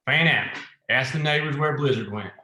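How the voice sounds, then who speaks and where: Man reading as sharp, commanding gunmen's boss. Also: medium pitch, normal speed, roomy sound. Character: angry, commanding boss of armed company detectives. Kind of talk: table read of a period Western screenplay.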